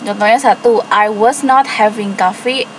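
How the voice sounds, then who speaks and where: A woman's voice: medium pitch, unhurried. Patient woman teacher, noisy room. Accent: Javanese. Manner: patient explaining, mixing English terms in, light laughs. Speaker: English teacher. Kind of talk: online English class. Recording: noisy room with air conditioning.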